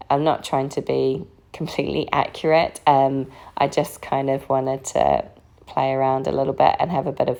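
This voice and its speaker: A woman with a croaky voice from a recent illness, narrating a casual card-making tutorial in a relaxed, chatty way. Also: low-pitched. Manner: relaxed, chatty, frequent ums. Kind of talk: casual craft tutorial voice-over.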